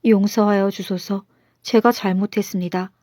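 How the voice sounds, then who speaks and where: A woman's voice: mid-range voice, steady tone, moderate pace, dark tone, no echo, clean studio sound, lightly acted. A woman voicing a proud male nobleman in a storybook folktale, haughty and scolding. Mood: pleading. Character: arrogant male Seoul nobleman, pompous then groveling.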